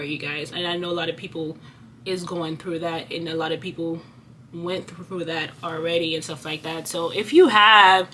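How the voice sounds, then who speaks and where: A young woman speaks openly to her viewers, stumbling and repeating words through a stutter. Her voice is slightly low but bright and forceful. A faint ambient hum sits under the recording. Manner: earnest, reflective, addresses viewers directly. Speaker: vlogger. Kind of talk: candid personal vlog talk.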